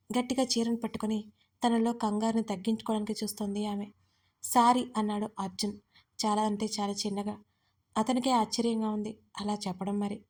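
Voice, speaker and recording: A woman narrating a romance audio story in a steady storytelling way. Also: fairly high pitch.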